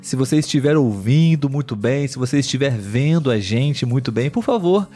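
A Brazilian man co-hosting a live podcast for language learners, speaking slowly and clearly like a teacher and often checking in with his listeners. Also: mid-range voice, lively intonation, mellow, faint music behind. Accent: Brazilian Portuguese. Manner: slow, clear, teacherly delivery with frequent "né?" checks. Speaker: podcast co-host.

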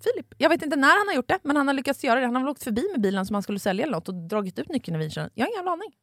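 A woman's voice: sits high, very animated, a bit bright, dry recording, studio quality. A woman co-hosting a podcast, telling a long story in a casual chat and swearing freely. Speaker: podcast co-host.

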